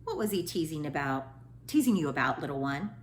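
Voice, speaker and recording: Woman voicing a kind storybook schoolteacher, expressive and encouraging. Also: low-pitched, brisk, a little hiss or hum, voice pushed down. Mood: soft concern. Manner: gentle, reassuring.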